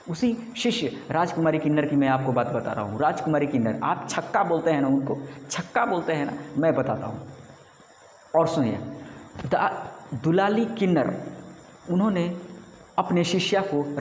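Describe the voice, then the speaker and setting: A young man in his twenties with a slightly high voice speaks to his viewers in a rhetorical, motivational way. He asks questions and answers them himself, often repeating phrases for emphasis. The sound is roomy, with a long reverb trailing behind his words. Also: darkish tone, slight background noise. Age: 20s. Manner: emphatic repetition, drawn-out phrases. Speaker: YouTube creator. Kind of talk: motivational storytelling to camera. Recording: echoey room with long reverb.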